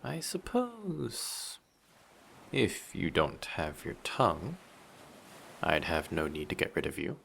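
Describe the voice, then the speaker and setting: A man voicing a flirty, possessive sea monster in human guise for an intimate roleplay audio drama, measured and politely menacing. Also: low-pitched, huge pitch swings, gravelly, a bit bright, a little hiss or hum, full character voice. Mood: calmly menacing.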